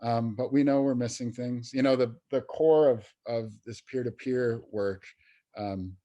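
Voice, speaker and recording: Warm in tone and medium in pitch, the youth recovery program coordinator speaks a little slowly during his podcast interview. He comes from New York State, is an adult in recovery working as a peer professional, and talks casually, hesitating often with fillers and restarts.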